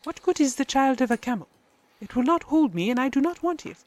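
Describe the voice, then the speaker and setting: Woman playing a feisty, animated older mother. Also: high-pitched, brisk, a little hiss or hum. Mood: indignant. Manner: blunt, indignant, animated.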